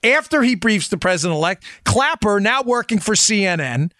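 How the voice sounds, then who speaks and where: A man's voice: high voice, big pitch swings, moderate pace, bright, forceful tone, dry recording, studio quality. A man hosting a political talk show in an emphatic, insistent monologue, firing rhetorical questions at his listeners.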